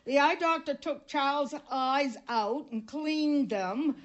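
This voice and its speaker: An older woman with a Maine accent tells comic local tales with a dry, deadpan touch. Her voice sits high and she takes her time. The recording from the event sounds dull and muffled. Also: slow. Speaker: storyteller. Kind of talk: humorous storytelling at a live event.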